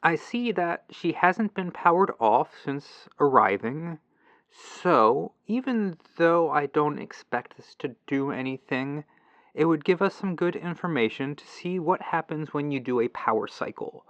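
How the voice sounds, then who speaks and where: A man's voice: fairly high pitch, expressive, unhurried, fairly bright tone, dry recording. A man playing a patient, polite tech support agent in an ASMR roleplay phone call, reassuring and methodical, through a lo-fi telephone filter. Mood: patient, instructive. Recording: dull lo-fi telephone sound.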